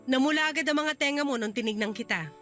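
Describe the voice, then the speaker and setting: A woman's voice: sits high, fast talker, a bit bright, soft background music. A woman playing a young wife in a radio drama, heated and scolding. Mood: angry. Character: angry young wife, sharp and confrontational.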